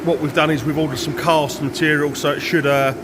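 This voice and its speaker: A man with a croaky voice, talking loudly in a cold garage over a running heater. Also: on the high side, level tone, a little fast. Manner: raised, shouting over heater noise. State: croaky voice from flu.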